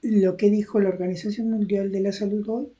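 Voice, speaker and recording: Female co-host, very dark mellow tone, calm news reading. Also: medium pitch, a little fast.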